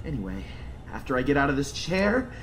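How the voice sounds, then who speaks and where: A man's voice: medium pitch, sing-song, fairly quick, close to an everyday voice. A man playing a mild-mannered sad circus clown who is secretly a killer, in an audio drama, polite and droll in manner. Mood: calm, smug. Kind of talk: full-cast audio drama acting. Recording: faint background noise and ambience.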